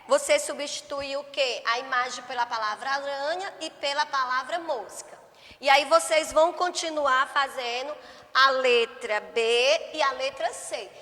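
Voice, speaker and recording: A woman's voice: high-pitched, bright, forceful tone. A woman teaching a first-grade class, stretching out syllables and checking in with the children often. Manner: slow, drawn-out syllables, frequent "né?" and "certo?" checks. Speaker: primary school teacher. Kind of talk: remote class lesson. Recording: long hall reverb.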